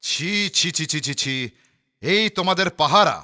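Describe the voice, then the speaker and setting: A man's voice: fairly high pitch, animated, slow pace, sharp tone, exaggerated voice. A man voicing a fussy, pompous king in a children's cartoon, with an exclamatory, scolding way of talking. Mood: exasperated. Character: fussy, exasperated king scolding his courtiers. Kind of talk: animated children's cartoon acting.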